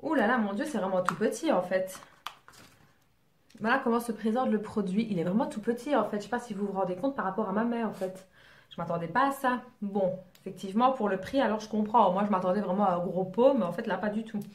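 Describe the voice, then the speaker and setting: A woman's voice: medium pitch, fast. A young woman in her twenties, chatting casually and rambling a bit as she shows off a shopping haul, self-mocking and full of fillers. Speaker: beauty vlogger. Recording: echoey room, faint noise.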